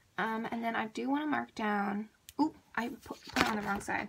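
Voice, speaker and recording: A woman talking at a moderate pace over noticeable background noise. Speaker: planner youtuber. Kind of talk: casual tutorial. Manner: casual, filler-heavy.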